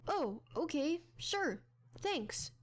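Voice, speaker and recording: A woman's voice: high voice, very animated, extremely slow, pitched above the performer's own voice, full character voice. A woman voicing a polite, hesitant young boy in a dramatized audiobook. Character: polite, bookish young boy in a horror story.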